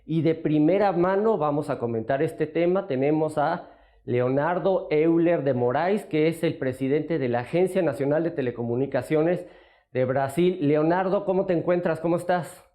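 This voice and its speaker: Male studio interviewer, soft dark timbre, pitched a little high. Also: normal speed.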